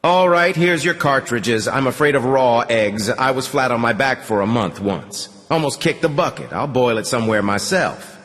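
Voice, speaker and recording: A man's voice: mid-range voice, animated, moderate pace, hardly any pauses, a bit bright, natural voice. A man voicing a brash, crude streetwise broker who wheedles and haggles, in a reverberant audiobook reading.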